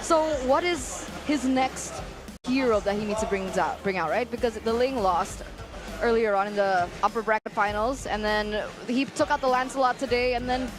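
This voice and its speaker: A woman casts esports with excitable energy, exclaiming and quizzing the analysts in a fairly high voice. Music plays behind her. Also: normal speed. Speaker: esports caster. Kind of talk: esports desk commentary.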